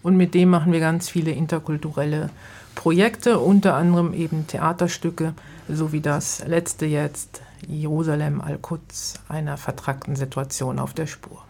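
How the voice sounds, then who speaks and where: A woman's voice: low-pitched, flat delivery, moderate pace, creaky, darkish tone. A woman who makes theatre, a guest in a radio interview, explaining her work fluently.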